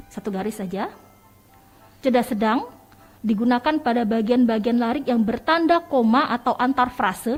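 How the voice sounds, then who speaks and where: Woman, teacher, high-pitched, radio lesson, faint background music. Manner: explains step by step, calls listeners "nak" and "sayang".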